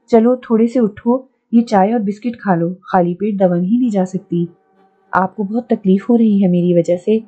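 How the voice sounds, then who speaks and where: A woman voicing a caring young woman doctor who coaxes her patient gently. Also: mid-range voice, muffled recording, close to an everyday voice. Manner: gently coaxing.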